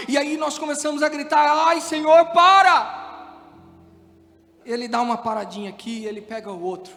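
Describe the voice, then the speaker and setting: Brief: male Brazilian pastor, São Paulo accent, very high voice, sermon that swells from soft to shouted, long church-hall reverb. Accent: Brazilian Portuguese, São Paulo state. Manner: swings from hushed, intimate passages to loud shouted preaching.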